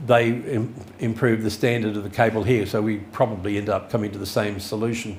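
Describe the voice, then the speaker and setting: A man speaks at a fairly quick pace with medium pitch and fairly even intonation. Noticeable background noise sits behind him. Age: 70s. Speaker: computer engineer and author. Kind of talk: talk with Q&A. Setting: event talk with audience. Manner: hesitant with many fillers.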